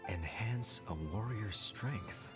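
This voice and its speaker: An actor playing a hearty, brotherly tribal chief in a fantasy video game, with a friendly, expressive delivery. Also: male voice, fairly low pitch, slow pace. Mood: curious. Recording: long hall reverb, music clearly underneath.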